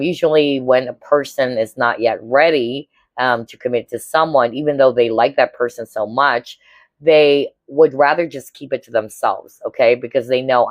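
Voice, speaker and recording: Hoarse woman giving a tarot reading. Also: rumbling low, no room sound. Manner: chatty, keeps checking in with "all right?" and "okay?". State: hoarse, voice cracking. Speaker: tarot reader. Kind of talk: casual pick-a-card tarot reading to viewers.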